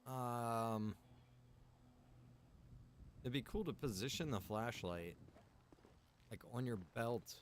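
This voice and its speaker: A man's voice: mid-range voice, slow, pauses often, slight background noise. A man streaming a survival game, chatting casually and rambling to his viewers while he plays. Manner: relaxed, rambling, greets chat viewers by name.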